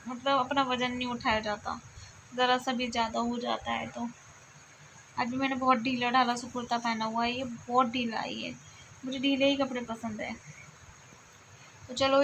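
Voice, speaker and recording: A woman vlogger chats to her viewers while lying down at home, soft and reflective, circling back to her own phrases. Her voice is bright and fairly high but stays flat in its melody. Faint crickets and insects chirp behind her. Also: a little hiss or hum. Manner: soft, reflective, repeats herself. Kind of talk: casual confiding chat to viewers.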